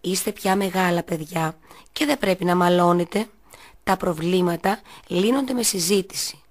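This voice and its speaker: A calm, patient mother in a children's radio story, gently scolding and explaining, read by a woman in her own voice. The tone is low and even. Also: lightly acted. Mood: gentle. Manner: soothing, admonishing.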